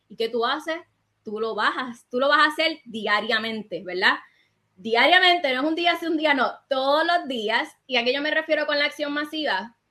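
Raised and projected, this woman's high voice has a bright, sharp tone, lively intonation and a moderate pace. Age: 20s. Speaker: network marketing coach. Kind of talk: motivational talk. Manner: energetic.

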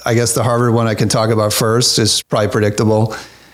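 A man with an American accent at a medium pitch, over noticeable background noise. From Boise, Idaho, US Northwest. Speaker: startup founder and CEO. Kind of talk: interview conversation. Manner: casual.

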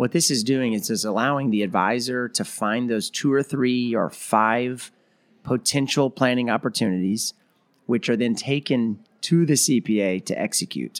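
In a dry, close recording with no echo, a man uses a normal speaking voice at medium pitch, keeping a moderate pace and ordinary pitch variation. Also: very clean recording, silent background. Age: 30s. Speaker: tech company executive. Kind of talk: interview. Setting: live at a conference.

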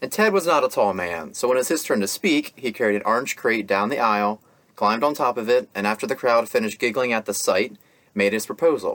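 Speaking at a very fast pace, a man uses an American accent. His pitch is medium, with ordinary variation. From US Mid-Atlantic (Eastern Shore, Maryland). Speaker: church volunteer, work camp coordinator. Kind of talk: casual conversational interview.

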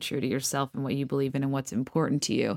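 The recording is very clean, with a silent background. A woman speaks at a very deep, low pitch. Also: dry, close sound with no echo. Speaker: podcast host. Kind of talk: solo music album review. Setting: home recording. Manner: soft-spoken; halting.

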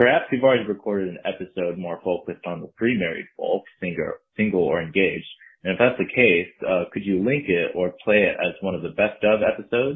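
Here a normal speaking voice moves along at a fairly quick pace. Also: man, fairly low pitch for a man, ordinary pitch variation. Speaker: listener leaving a voicemail. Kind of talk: voicemail message. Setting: phone voicemail.

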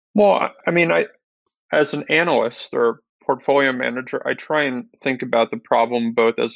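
An unremarkable speaking voice with an American accent. It has lively intonation and a moderate pace. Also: man. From US Northeast, New Jersey. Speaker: venture capital investor. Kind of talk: interview.

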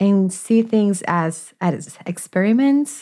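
A woman speaks with a dark, mellow tone and lively intonation. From Dominican Republic. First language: Spanish. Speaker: motion graphics designer and storyteller. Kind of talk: interview. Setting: in person.

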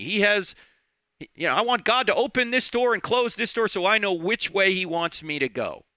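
A man's bright, sharp tone in a dry, close sound with no echo, on a very clean recording with a silent background. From New Jersey. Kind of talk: radio talk show monologue. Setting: radio studio.

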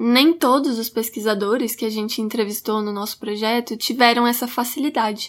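In an ordinary speaking voice, a woman with a fairly high pitch talks at a moderate pace, using ordinary pitch variation and hardly any pauses. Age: 20s. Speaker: social sciences undergraduate researcher. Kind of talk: scripted podcast narration.

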